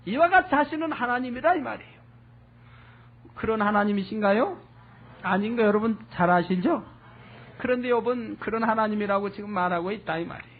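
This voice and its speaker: A man's voice: sits high, a little fast. A man preaching an expository sermon, earnestly asking his congregation rhetorical questions. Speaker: pastor. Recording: tinny phone-like lo-fi audio.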